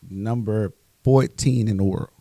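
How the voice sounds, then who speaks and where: A man's voice: fairly low pitch, unhurried, vocal fry, dark tone, no room sound. A man in his fifties, a comedian guest, chatting loosely on a podcast, joking and swearing freely. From Bronx, New York. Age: 50s. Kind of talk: casual podcast chat.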